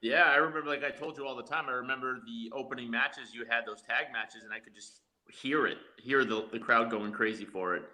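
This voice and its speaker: A man's voice: mid-range voice, fairly even intonation, fairly quick, hardly any pauses, bright, forceful tone, poor audio. A man reminiscing in casual conversation as a guest on a podcast. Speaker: podcast guest, former wrestler.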